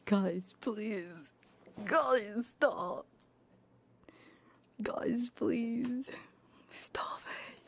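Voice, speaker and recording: A woman livestreamer chatting casually with viewers in a giggly, bantering way, often slipping into soft ASMR whispers. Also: on the high side, extremely slow, creaky, long pauses.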